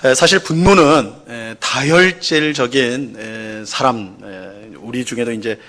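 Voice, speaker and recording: A man preaching a Sunday sermon in a church, mid-pitched and conversational. He fills his talk with fillers and rhetorical questions, acting out quoted complaints in a raised, pleading voice. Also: measured pace, a bit bright. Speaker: pastor. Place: church sanctuary.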